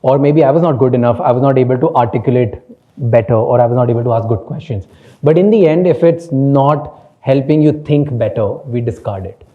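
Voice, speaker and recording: A man's voice: mid-range voice, a little fast, phone-quality sound. A man with an Indian accent whose first language is Hindi, a podcast host speaking candidly on a panel, slipping between English and Hindi and laughing often. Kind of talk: panel talk.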